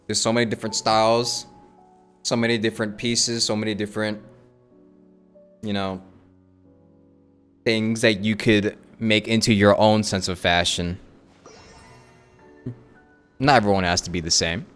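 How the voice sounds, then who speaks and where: A man's voice: fairly low pitch, little pitch movement, measured pace, long pauses, fairly bright tone, clean tone. A young man giving casual livestream commentary on a game in an informal, slangy way. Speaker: game streamer. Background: faint game music.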